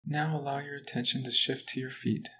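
A man guiding a progressive muscle relaxation exercise, speaking slowly and calmly in an even, instructive way. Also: mid-range voice, breathy edge. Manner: slow, calm, even instruction. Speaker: relaxation guide. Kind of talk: guided relaxation script.

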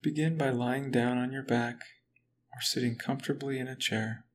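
Speaking at a medium pitch, a man guides listeners through a muscle relaxation exercise. His delivery is slow, calm and steady, barely rising or falling, while a faint noise sits in the background the whole time.

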